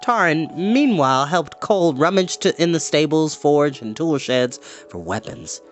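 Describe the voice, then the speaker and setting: A man reading a storybook aloud as an expressive narrator. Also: on the high side, measured pace, soft background music. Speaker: storyteller, host.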